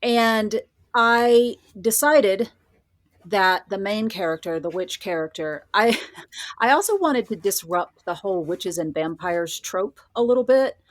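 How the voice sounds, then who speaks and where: A woman's voice: medium pitch, animated, a little slow, dry recording, clean studio sound. A woman answering as an interview guest, talking conversationally about her work as a writer with emphatic asides. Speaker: guest, horror fiction writer.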